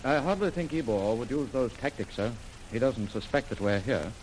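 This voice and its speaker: An actor as an eager, polite young lieutenant. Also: male voice, medium pitch, expressive, normal speed, darkish tone, close to an everyday voice. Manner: polite, eager, keeps saying sir. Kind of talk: 1930s radio drama acting. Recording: noisy old radio recording.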